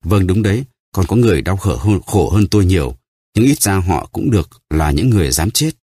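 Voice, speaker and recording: Man doing a starving prisoner, pleading, stammering, audiobook reading, deep voice. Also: expressive, a little fast, mellow, breathy edge, dry recording, studio quality.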